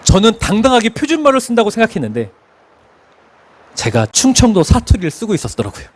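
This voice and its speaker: A man's voice: high voice, fast. A middle-aged man from Korea's Chungcheong region preaching a sermon, telling stories and laughing as he goes. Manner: expressive preaching, sings hymn lines, laughs while telling stories. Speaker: pastor.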